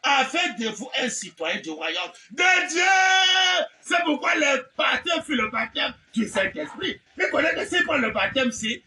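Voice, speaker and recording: A man's voice: very high-pitched, sing-song, a little slow, few pauses, pushed and bright, raised voice. A man preaching a fiery revivalist sermon, exclamatory and theatrical, insistently repeating phrases and amens. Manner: mocking, theatrical asides. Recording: distant mic with faint background noise.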